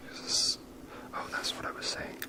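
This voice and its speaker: Someone whispers softly and breathily at a normal speed, giving casual, rambling ASMR commentary while playing a video game.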